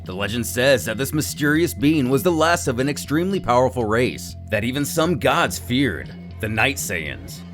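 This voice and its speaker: A man's voice: mid-range voice, big pitch swings, normal speed, hardly any pauses. A man narrating a dramatic story recap in a theatrical, suspenseful manner, with music playing behind him. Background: background music.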